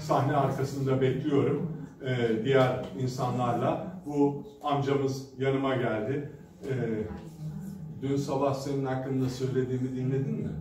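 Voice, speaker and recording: A man's voice: mid-range voice, little pitch movement, measured pace, darkish tone. A male pastor giving a sermon at a pulpit microphone, telling stories in a conversational way with hesitant fillers. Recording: echoey hall from a distance with background noise.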